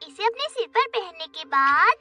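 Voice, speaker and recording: Doraemon, very high childlike robot cat. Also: female voice, big pitch swings, normal speed. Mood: indignant. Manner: cute, exclaiming, admonishing. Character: caring, scolding childlike robot cat companion. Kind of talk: animated cartoon dub. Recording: distant sound under loud music. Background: loud jingly children's cartoon music.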